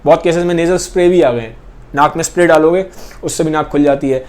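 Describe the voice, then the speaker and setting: A man's voice: fairly high pitch, quick pace, darkish tone. A young man teaching a biology class, repeating key points and often checking in with his students. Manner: points at pictures while explaining. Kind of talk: explaining a class lesson.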